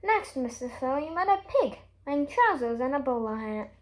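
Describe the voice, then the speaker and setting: A woman reading a children's storybook aloud with expressive, emphatic delivery. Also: high voice, moderate pace. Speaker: story reader.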